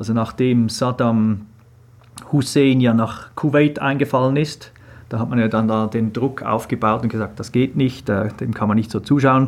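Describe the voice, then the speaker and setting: Intonation stays fairly even as this man talks. He has an ordinary speaking voice, pitched in the medium range. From Switzerland. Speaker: documentary filmmaker. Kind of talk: interview.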